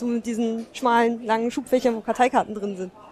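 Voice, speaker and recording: A woman speaks with a fairly high pitch. Background noise is noticeable. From northern East Germany. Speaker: podcast host. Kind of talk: casual chat. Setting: walking around a museum.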